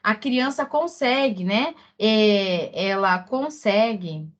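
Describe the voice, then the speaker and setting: A woman with a Brazilian Portuguese accent teaches an exam-prep lesson, explaining things slowly and leaning on lots of fillers and repeated words. Her voice is medium-pitched and expressive.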